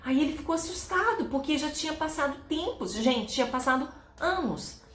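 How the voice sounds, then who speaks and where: A woman's voice: high-pitched, animated, moderate pace, fairly bright tone, reverberant. A Brazilian woman, a psychologist, giving an earnest, emotional personal testimony to women, repeating phrases for emphasis.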